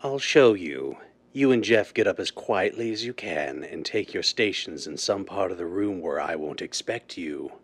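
An actor playing a blind, cold criminal mastermind in a deliberate, commanding, theatrical 1930s radio drama style. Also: male voice, low-pitched, expressive, breathy edge, heavily acted. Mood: controlled, menacing. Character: blind, cold, menacing male crime mastermind called the Owl. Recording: noisy vintage-style radio drama recording.

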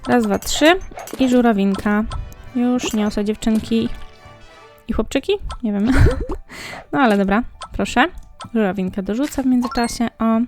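A woman's voice: on the high side, normal speed, darkish tone. A young woman casually commenting on a game she plays, chatting to the characters and viewers as she goes. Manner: chatty, talks to the game characters while playing. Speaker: gaming vlogger. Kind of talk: casual let's-play commentary. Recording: faint game music behind.

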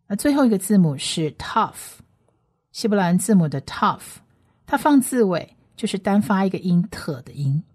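A woman teaching biblical Hebrew on a radio lesson, patiently spelling out letters and repeating each sound slowly. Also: medium pitch, dark tone.

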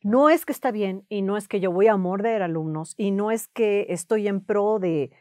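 A woman, a guest therapist in a casual conversation, calm and measured. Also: mid-range voice, dry recording, studio quality. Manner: calm, measured, avoids swearing.

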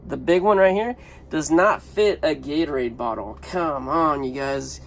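A man's voice: on the high side, a little slow, vocal fry, background noise. A man chatting offhandedly as he shows around a van, filming on a handheld phone. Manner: chatty, offhand, thinking aloud. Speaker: vlogger. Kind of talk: casual walkaround video. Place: inside a parked van.

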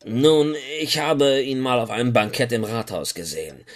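A chief inspector in a crime audio drama, acted by a man. He is a cautious, grumbling man with an average-pitched voice. His manner is official and slightly hesitant. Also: very animated, normal speed, close to an everyday voice. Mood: uneasy.

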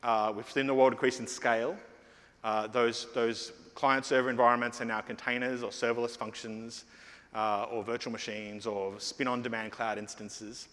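Middle-aged man, keynote speaker, loose conversational delivery, mid-pitched, long hall reverb. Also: level tone, normal speed, a bit bright. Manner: conversational, many fillers and restarts. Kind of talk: conference keynote talk. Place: large conference hall stage.

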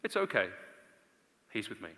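A man in his thirties preaching a live sermon with earnest, rhetorical delivery and dramatic pauses. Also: fairly low pitch, huge pitch swings, heavy background noise. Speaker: preacher and conference speaker. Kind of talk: live sermon to a large audience. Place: stage of a large indoor auditorium. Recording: long reverb of a large auditorium.

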